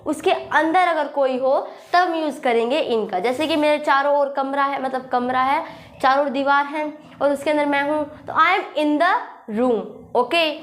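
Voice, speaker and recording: Speaking in a high, fairly bright tone, a young woman with a sore throat and a slight cough explains English grammar in a classroom lesson. She goes over points repeatedly, reads example sentences slowly, and keeps asking "thik hai" to make sure students follow.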